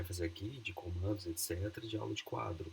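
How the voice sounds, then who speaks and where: A soft-spoken, somewhat breathy man with a very deep, low pitch. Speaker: university lecturer. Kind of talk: online lecture.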